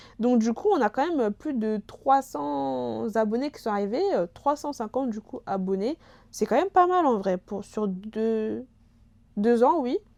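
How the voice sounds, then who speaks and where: With a dark, mellow tone and fairly high pitch, a woman speaks at a fairly slow pace with very wide pitch swings and long, frequent pauses, in a dry, close sound with no echo. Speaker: YouTuber, pop culture creator. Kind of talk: casual vlog chat. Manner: hesitant, many fillers.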